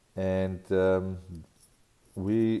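With a South African accent, a man talks at a very deep, low pitch and with fairly even intonation. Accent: Afrikaans-accented English. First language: Afrikaans. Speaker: YouTube vlogger sharing family DNA results. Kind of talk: monologue video talk. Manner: halting, with frequent fillers. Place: home room. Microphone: webcam.

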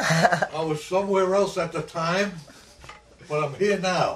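A high-pitched male voice, fairly even in intonation, over light background noise. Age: 80s+. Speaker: grandfather. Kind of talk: interview answer, personal life stories. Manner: casual, joking. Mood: joking, playful. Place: home room. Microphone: old recording.

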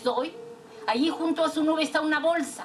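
At a moderate pace, a woman talks in a high voice with ordinary pitch variation over light background noise. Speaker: beauty guru. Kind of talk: motivational talk to women. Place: home room. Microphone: old recording.

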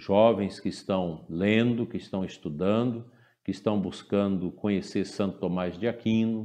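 Here a man speaks with a dark, mellow tone and fairly low pitch. His pace is fairly slow. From Brazil. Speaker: bishop. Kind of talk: online conference talk, homily-style sermon. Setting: online conference, remote recording. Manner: formal, earnest; fervent, rhetorical, mocking of opponents. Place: office.

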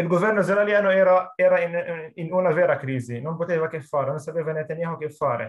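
A man's high-pitched voice with an Arabic accent, a very fast pace with hardly any pauses, and fairly even intonation over a quiet background. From Palestine, Bethlehem; Palestine. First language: Arabic (speaking Italian). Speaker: activist; speaker. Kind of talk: talk; lecture-style talk. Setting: video call. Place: home room. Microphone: webcam.

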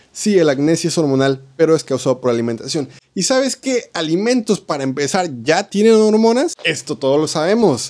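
A man with a Mexican accent, fairly high-pitched and animated, at a fairly quick pace with very wide pitch swings, against a quiet background. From Mexico. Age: 20s. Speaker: vlogger. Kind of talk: tutorial. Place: home room. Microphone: studio mic.

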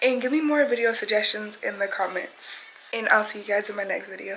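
A woman talks at a high pitch with ordinary pitch variation. She keeps a moderate pace over light background noise. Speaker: fashion vlogger. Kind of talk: casual vlog chat. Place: home room.

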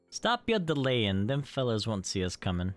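The speaker uses a put-on character voice at a moderate pace. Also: man, medium pitch for a man. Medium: game stream. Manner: drawling, folksy.

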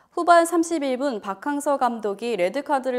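Spoken at a moderate pace against a quiet background, the voice swings very widely in pitch. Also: woman. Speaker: news announcer. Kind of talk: broadcast news reading. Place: studio. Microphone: lapel.

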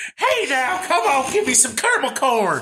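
This put-on character voice sits high, moves at a moderate pace and swings very widely in pitch. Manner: gruff, demanding.

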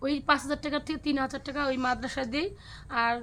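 Her intonation fairly even, a woman talks with a high pitch. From Bangladesh, Faridpur. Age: 30s. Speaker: domestic worker. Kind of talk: personal testimony. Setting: on camera interview. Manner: soft-spoken.

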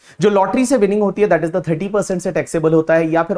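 The pace is fairly quick. The background is quiet. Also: man. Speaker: tax lecturer. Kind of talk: lecture. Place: studio.

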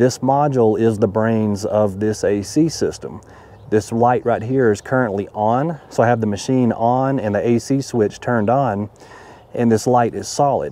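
The recording is dry with no echo as a man talks fairly slowly with fairly even intonation. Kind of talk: tutorial. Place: garden. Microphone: lapel.

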